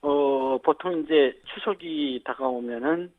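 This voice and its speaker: A man, a team leader from a government agricultural agency, explaining safety advice on a radio phone-in with steady, filler-laden speech. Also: fairly high pitch, unhurried. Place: on a phone call. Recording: phone line.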